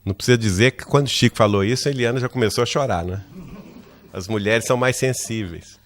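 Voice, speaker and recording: A man with a Brazilian Portuguese accent from Minas Gerais gives a talk as a lecturer at a spiritist center. He tells a personal anecdote with lively energy and keeps asking his listeners "né?" His voice sits at a middling pitch. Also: fast talker. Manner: lively narrator who acts out quoted dialogue, often asks "né?".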